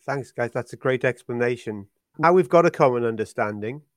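A man hosting a podcast, speaking in a brisk conversational way. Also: medium pitch, lively intonation, dry recording, studio quality. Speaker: host.

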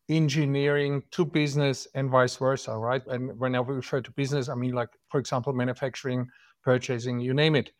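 Middle-aged German man, German accent, higher-pitched explainer, podcast guest. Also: creaky. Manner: explanatory, frequent "right?" and "so to speak". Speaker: guest, product manager. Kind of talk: podcast interview answers.

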